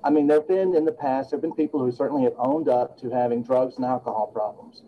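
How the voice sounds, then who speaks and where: A man's voice: mid-range voice, steady tone, quick pace, lo-fi sound, a little hiss or hum. A man in his late fifties, a guest attorney talking earnestly and reflectively in a podcast interview. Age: 50s.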